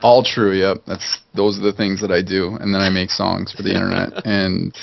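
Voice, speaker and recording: Deadpan upstate new york dude, low gravelly voice, faint hiss on a muffled line. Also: male voice, moderate pace. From New York State. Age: 20s. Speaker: podcast guest. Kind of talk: casual interview chat. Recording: dull lo-fi voice chat with faint noise.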